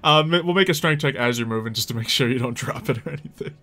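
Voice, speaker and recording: A man's voice: medium pitch, quick pace, pushed and bright. A man running a tabletop roleplay game as game master, narrating casually and readily chuckling.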